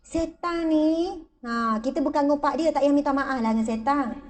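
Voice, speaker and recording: A woman religious teacher speaks to a gathered audience in a high, bright-toned voice. She is playful and conversational, often dropping into mock voices to act out her examples. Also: moderate pace. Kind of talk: lively religious talk.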